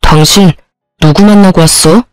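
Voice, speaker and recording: A woman voicing an angry husband who fires sharp, accusing questions in a storybook narration. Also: fairly low pitch, normal speed, clear, resonant tone, no echo, soft background music, lightly acted, rough recording.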